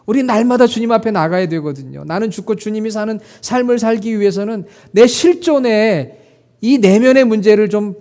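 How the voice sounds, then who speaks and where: A middle-aged man preaches with a high-pitched but dark, warm tone. He speaks earnestly, rising into emotional quoted prayers and then settling into soft, intimate asides to the congregation. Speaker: pastor. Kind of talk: sermon.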